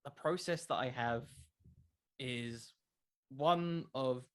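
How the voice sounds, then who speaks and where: A podcast creator appears as a guest in a casual interview about wrestling fiction. He answers questions in a smooth, medium-pitched voice at a slow pace, thinking aloud and repeating words as he goes.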